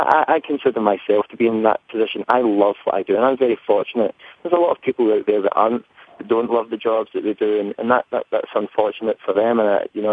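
Man, broad Scottish accent, lowish pitch, earnest radio interview guest, thin telephone sound. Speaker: interview guest, brand representative. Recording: narrow, tinny phone line.

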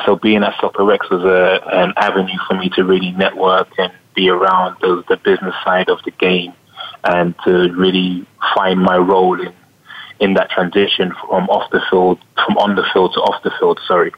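A low, even-voiced man with a London accent answers interview questions in a measured way, stopping often to think. He is a middle-aged retired soccer player. The recording sounds dull and lo-fi. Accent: London English. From England. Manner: measured, frequent "um" pauses.

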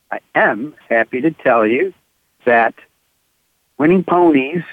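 A man hosting a racing radio show over a thin, phone-like line, his voice slightly hoarse. He stops often with "uh" and lifts with enthusiasm when he talks about winners. The sound is dry and close. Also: on the high side, no room sound. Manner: halting, full of uh fillers, enthusiastic about winners. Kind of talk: horse racing talk radio. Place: at home on a farm.

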